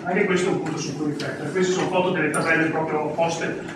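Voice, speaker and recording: A man speaks at a very fast pace. Strong room echo and noticeable background noise fill the recording. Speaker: local committee spokesperson. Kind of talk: public meeting presentation. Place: meeting room. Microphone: camera far.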